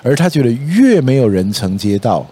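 A man with a Taiwanese Mandarin accent hosting a podcast, talking things through in a casual, lively way, filling his sentences with little fillers. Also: mid-range voice, normal speed, slightly rough. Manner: lively storytelling, acts out quoted voices, many "哦" and "然后呢" fillers. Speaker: podcast host. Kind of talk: casual explanatory podcast talk.

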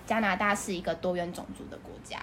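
A woman's voice: on the low side, fairly even intonation, fast talker, background noise. A young woman with a Taiwanese Mandarin accent, an interview guest explaining things in an agreeable, casual way. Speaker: interview guest, English teacher.

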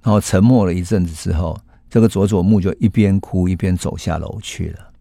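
Low creaky male storyteller. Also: mellow, no echo, studio quality. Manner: unhurried, reflective storytelling. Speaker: host and storyteller. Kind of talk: historical storytelling podcast.

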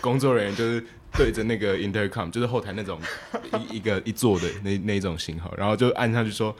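Low-pitched Taiwanese man chatting casually. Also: fast talker, slight background noise. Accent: Taiwanese Mandarin. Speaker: podcast participant. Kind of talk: casual chat, recounting anecdotes.

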